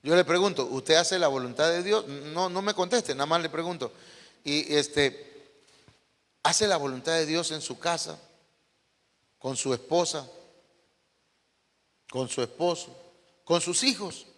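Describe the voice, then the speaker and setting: A man preaches a sermon, his voice bright and a little high for a man. He tells everyday stories and keeps asking his congregation questions. The sound rings out with the long reverb of a church hall. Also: measured pace, pauses often. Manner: storytelling with rhetorical questions to the congregation. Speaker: pastor.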